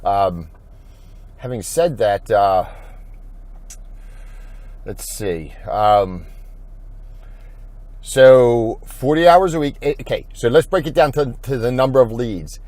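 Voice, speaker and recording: In an informal corporate training video, a man playing an insurance agent thinks aloud, halting and rambling as he goes. His voice has a medium pitch and a darkish tone, with no echo.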